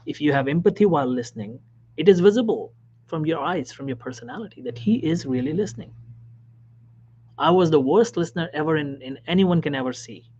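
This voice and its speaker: A man, a physician, giving career advice in a motivational talk, emphatic and repetitive, dropping now and then to a soft whisper. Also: on the high side, animated, brisk, slight background noise. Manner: emphatic, repeats key phrases, drops suddenly to soft whispers. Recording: dull lo-fi recording.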